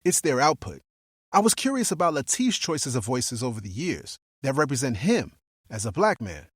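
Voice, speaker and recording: A man hosting a podcast and interviewing a guest in a calm, thoughtful way. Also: medium pitch, moderate pace, slightly rough, no room sound, clean studio sound. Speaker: podcast host.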